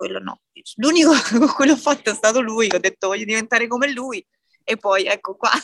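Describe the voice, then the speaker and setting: A woman with an unremarkable speaking voice, fairly high-pitched with ordinary variation, at a fairly quick pace, in a dry, close sound with no echo. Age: 40s. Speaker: CrossFit athlete. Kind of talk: casual interview.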